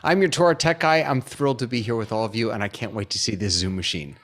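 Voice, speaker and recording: A man's voice: fairly low pitch, quick pace, a bit bright. A man chatting casually as co-host of an online panel. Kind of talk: casual chat.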